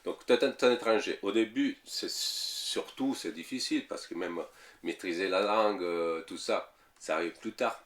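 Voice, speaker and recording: A man's voice: sits low, normal speed, a bit bright. A man in his thirties from Italy, speaking French with an Italian accent, answering interview questions hesitantly with many fillers and repeated words. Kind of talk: casual interview talk.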